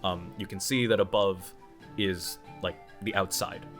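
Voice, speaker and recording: A man with a fairly low voice runs a tabletop game as its game master. He improvises his narration in a halting, conversational way, thinking aloud, with light music playing behind him. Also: steady tone, fairly bright tone.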